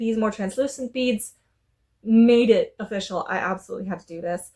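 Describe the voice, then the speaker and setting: A woman speaks fairly quickly in a relaxed tone, her fairly high voice somewhat breathy, dark and mellow, with big swings in loudness. The recording is very clean, with a silent background. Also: ordinary pitch variation. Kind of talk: casual talk to camera. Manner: chatty, relaxed.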